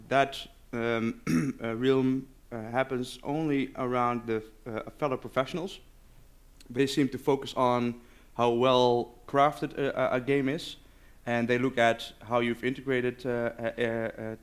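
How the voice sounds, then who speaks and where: A man speaking as a conference presenter, answering audience questions informally and haltingly as he searches for words. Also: medium pitch, clean tone. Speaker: conference speaker, game developer. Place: live conference session.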